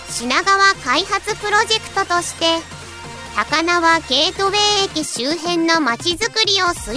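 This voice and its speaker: A woman with an extremely high voice reads a scripted promotional announcement. Music plays clearly behind her throughout.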